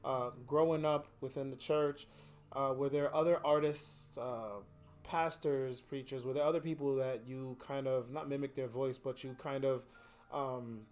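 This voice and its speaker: A man's voice: medium pitch, steady tone, unhurried, a little mellow. A man hosting an interview, asking long rambling questions and often agreeing with short affirmations. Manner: chatty, with frequent affirmations. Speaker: interview host. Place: day spa.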